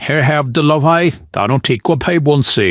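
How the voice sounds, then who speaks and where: A man's voice: fairly high pitch, quick pace, a bit bright, dry recording, studio quality, lightly acted. A man voicing an anxious, gullible village trader in a cartoon, fretful and exclaiming, with a Bangladeshi accent. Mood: worried. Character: anxious debt-ridden male village trader, gullible uncle. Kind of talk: cartoon character acting.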